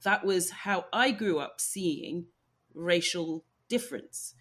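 A woman's voice: fairly low pitch, takes it slowly, a bit bright. A woman from Nigeria hosting an interview podcast, telling her story in a reflective, conversational way. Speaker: podcast host.

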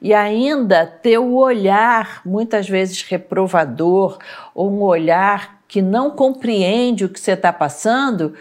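Slow-speaking woman interviewer. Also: medium pitch. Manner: gentle, affirming with short replies. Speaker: host. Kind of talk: sympathetic interview.

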